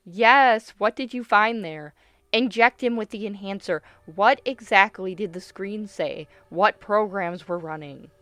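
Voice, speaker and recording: A woman's voice: mid-range voice, measured pace, a bit bright, no room sound, close to an everyday voice. A woman performing a cold military doctor in a radio drama, recorded very dry. She is clipped, commanding and insistent, pressing her subject without sympathy. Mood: impatient, forceful. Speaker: doctor leading an interrogation. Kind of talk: radio play acting.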